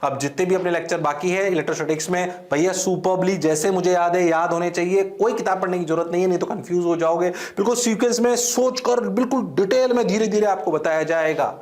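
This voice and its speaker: Indian man, physics lecturer, theatrical, high voice, classroom with echo. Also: quick pace, few pauses, a little mellow. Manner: theatrical, answers his own questions in a student voice. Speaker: physics teacher.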